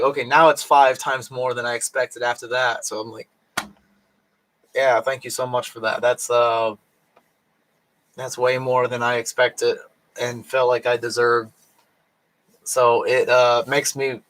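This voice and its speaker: A man live-streaming from home while drunk, talking loosely and at length. His speech stumbles along with fillers and restarts, and his voice is wearing a little hoarse. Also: medium pitch, fairly bright tone, low-quality recording. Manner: rambling, halting, many fillers and restarts. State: voice going hoarse. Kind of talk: rambling late-night live stream chat. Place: home in Japan.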